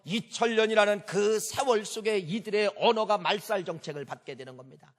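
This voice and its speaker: A man's voice: high voice, a little fast, big-room sound. A male pastor preaching a sermon, emphatic, repeating key phrases and putting questions to the congregation.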